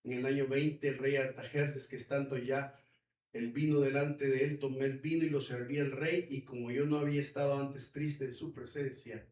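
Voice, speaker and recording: A man's voice: medium pitch, level tone, normal speed, darkish tone. A man with a Salvadoran accent preaching a conversational sermon as pastor, speaking colloquially and asking the audience questions. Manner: colloquial, asks the audience questions, acts out quotes. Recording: echoey hall, mic at a distance.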